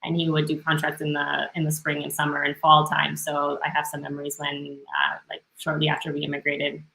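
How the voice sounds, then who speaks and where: A woman, talking casually and haltingly as an interview guest. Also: deep voice, monotone, creaky, pushed and bright, reverberant, rough recording. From northern British Columbia, Canada, born in Romania. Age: 30s. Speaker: podcast guest.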